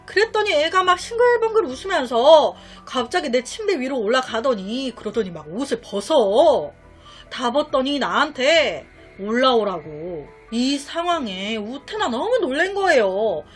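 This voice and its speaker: A woman's voice: high-pitched, big pitch swings, measured pace, soft background music. A woman telling a crime story in a chatty way, with rhetorical questions and asides on what happens.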